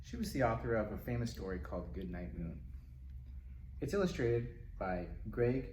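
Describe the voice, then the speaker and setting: A man reading a picture book aloud to young children in a gentle, simple manner, with little asides to them as a storytime reader. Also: lowish voice, big pitch swings, moderate pace. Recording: roomy, distant mic with faint noise.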